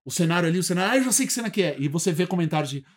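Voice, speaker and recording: A man in a casual interview chat, animated, acting out little scenes as he tells them. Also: high-pitched, very fast. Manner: animated storyteller, acts out scenes. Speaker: comedy group member.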